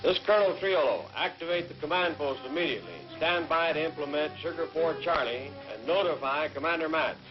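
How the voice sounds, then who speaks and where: Male officer on a field telephone, higher-pitched, clipped commands, dull old film sound, music under. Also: a little fast, few pauses. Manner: crisp command orders. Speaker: military officer. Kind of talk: scripted film dialogue.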